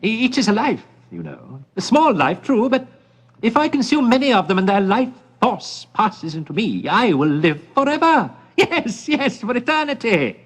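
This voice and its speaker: High-pitched, giddy raving madman. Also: sing-song, moderate pace. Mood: manic glee. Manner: giggling, stammering, feverishly insistent. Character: giddy, raving madman asylum patient, fly-eater. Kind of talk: dramatized gothic audiobook.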